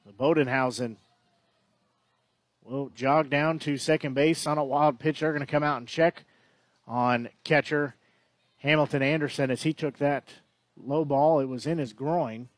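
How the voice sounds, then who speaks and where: A man's voice: fairly high pitch, steady tone, measured pace, no echo. A man calling a baseball game play by play, chatty and often correcting himself. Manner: conversational, self-correcting. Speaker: play-by-play announcer. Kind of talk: baseball commentary.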